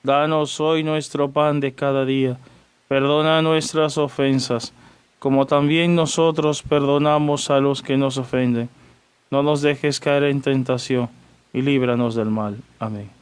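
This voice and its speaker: A man, a Catholic parish priest, teaching church doctrine on the radio in a chatty way, greeting listeners by name and pausing on fillers as he explains. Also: mid-range voice, flat delivery, smooth. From Dominican Republic.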